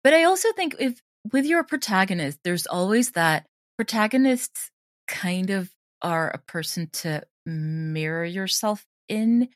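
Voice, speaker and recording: A woman speaking as an interviewed audio drama creator, explaining her craft in a thoughtful, conversational way with many softeners. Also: mid-range voice, animated, a little slow, no echo, clean studio sound.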